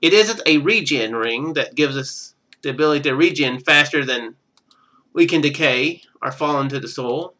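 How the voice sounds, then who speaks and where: Bright-voiced man streaming a game. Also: a little high, lively intonation, moderate pace. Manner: thinks out loud, muttering to himself. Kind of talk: casual live game commentary, reading on-screen text aloud.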